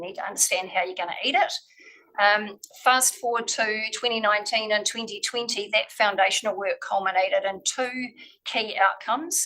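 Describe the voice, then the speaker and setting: A woman's bright, sharp tone in a New Zealand accent, with ordinary pitch variation. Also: fairly high pitch for a woman. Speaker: trust chief executive presenting to council. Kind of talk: formal presentation. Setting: council meeting room, live streamed. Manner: fast; hesitant, many ums.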